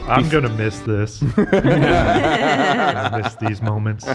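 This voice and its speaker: Podcast crew guy laughing, bit stumbly, loud music under. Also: on the low side, extremely slow. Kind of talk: casual chat.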